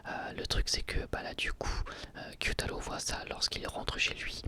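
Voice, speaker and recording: An ASMR creator whispering an episode review, hesitant and full of fillers and restarts. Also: moderate pace. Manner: soft, breathy whisper throughout.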